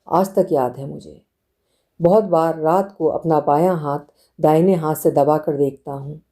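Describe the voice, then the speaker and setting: A tender young husband speaks in soft, coaxing questions, as a woman narrator puts him on. His voice is low and dark-toned, gentle and pleading. It is heard in a storybook audiobook reading.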